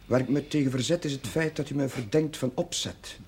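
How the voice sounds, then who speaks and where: An actor playing an earnest, remorseful Catholic chaplain in a television drama, speaking formally and haltingly. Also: male voice, mid-range voice, a little mellow, natural voice. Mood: earnest, defensive. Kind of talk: 1970s Dutch television drama acting. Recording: noisy old television soundtrack.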